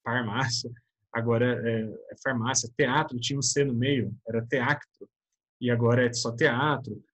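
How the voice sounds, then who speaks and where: A man's voice: mid-range voice, breathy edge. A man with a Brazilian Portuguese accent teaching a casual online class, chatty and informal, constantly checking in with his students. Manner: chatty, keeps adding "né?" and addressing students as "galera".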